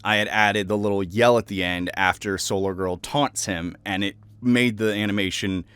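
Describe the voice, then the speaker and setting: A man's voice: lowish voice, fairly even intonation, moderate pace, fairly bright tone, clean tone, no room sound. A young adult man, a voice actor, talking casually and reflectively about his work. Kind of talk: casual reflective commentary on own roles.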